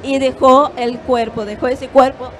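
Brazilian woman, gentle and measured. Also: high-pitched, flat delivery. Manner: gentle, measured, with frequent hesitations. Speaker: yoga teacher and holistic therapist. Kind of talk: calm explanatory interview answers. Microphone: handheld microphone.

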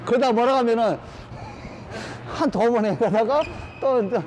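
A man's voice: extremely high pitch, unhurried. Male sports coach, informal explaining, plain-spoken and repetitive, recorded in a gym with faint noise. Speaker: badminton coach. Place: large indoor badminton gym.

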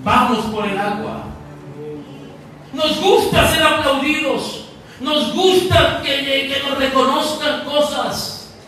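High-voiced preacher in an echoey hall. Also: male voice, takes it slowly. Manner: preaching with swelling emphasis, sometimes half-singing. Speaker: pastor. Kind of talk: sermon. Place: church hall with flags and balloons. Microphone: far camera at the back of the room. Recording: echoey hall heard from far off, piano behind.

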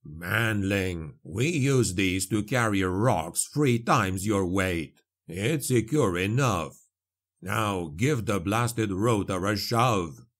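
A man's voice: on the low side, takes it slowly. A man voicing a grim, impatient male dwarf warrior in an audiobook, grunting and muttering terse commands. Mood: impatient, commanding.

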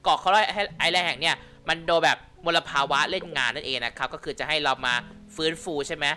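A man hosting a gaming channel, giving chatty let's-play commentary and thinking out loud. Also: on the high side, quick pace, faint music behind. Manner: chatty, giggly, thinking aloud.

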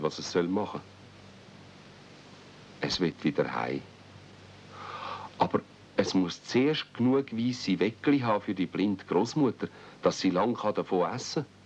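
A man with a Swiss German accent narrating a children's radio play as a storyteller. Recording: dull 1970s recording with rumble.

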